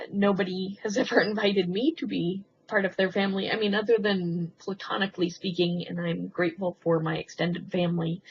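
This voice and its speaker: A woman talking in a casual, rambling confessional vlog, hesitant and halting as she thinks aloud with frequent ums. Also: fairly low pitch, breathy edge. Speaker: video blogger. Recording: muffled lo-fi sound with faint background noise.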